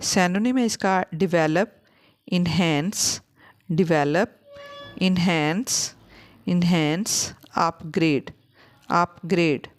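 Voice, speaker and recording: A woman teaching English vocabulary, repeating each word slowly for learners. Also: on the low side. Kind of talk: vocabulary lesson.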